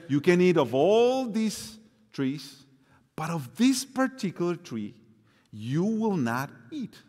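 A man in his fifties with a Mexican accent preaching a sermon on a church stage, earnest and repeating his key phrases. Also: a little high. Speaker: pastor. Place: large church stage with orchestra instruments. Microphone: lapel mic. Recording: long hall reverb.

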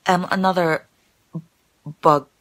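A woman's voice: lowish voice, steady tone, slow, fairly bright tone. A young woman who stammers, chatting casually with her viewers in a live stream, full of fillers and repeated words, filmed on a phone at arm's length in a small room. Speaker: channel host who stammers. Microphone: phone held at arm's length.

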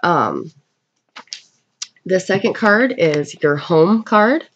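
A woman's voice: lowish voice, sing-song, extremely slow, a little hiss or hum. Sniffly woman reading tarot, dull sound. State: getting over a bad cold, sniffly. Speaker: tarot reader. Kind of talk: casual tarot card reading. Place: indoors at a table in a room.

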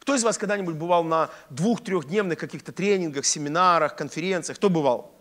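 High-pitched man preaching emphatically. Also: brisk. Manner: animated, rhetorical questions, emphatic repetition, acts out dialogue. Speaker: pastor preaching. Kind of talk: conversational sermon to a congregation. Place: church stage indoors. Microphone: handheld microphone.

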